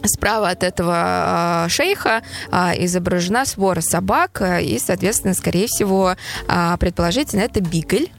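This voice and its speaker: Brief: female art guide, lowish pitch, halting explanatory delivery. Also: creaky, soft background music. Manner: halting, many filler sounds. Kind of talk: explaining paintings in a chat show.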